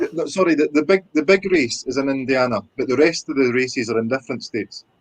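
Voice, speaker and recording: With a Scottish accent, a man talks at a very fast pace. His voice is fairly high with lively intonation. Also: dry, close sound with no echo. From Scotland. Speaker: author and musician. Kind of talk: interview answer.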